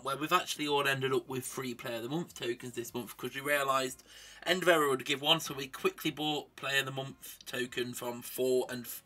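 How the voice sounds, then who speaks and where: A young man with a blocked nose talks casually and upbeat as he plays a mobile football game. His tone is bright and forward, with a husky, slightly rough edge. He rattles through stats like a chatty gaming YouTuber. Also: medium pitch. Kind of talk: casual gameplay commentary.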